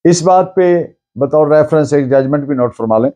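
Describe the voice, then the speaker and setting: A man with a Pakistani accent giving an explanatory law lecture in a deliberate way, repeating for emphasis and mixing in English terms. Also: fairly high pitch, dark tone.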